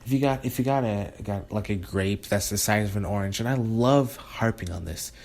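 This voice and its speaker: A man's voice: lowish voice, moderate pace, a little mellow. A man talking in a rambling, sarcastic monologue, often breaking off and restarting. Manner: rambling, sarcastic, self-interrupting with laughs. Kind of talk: casual monologue.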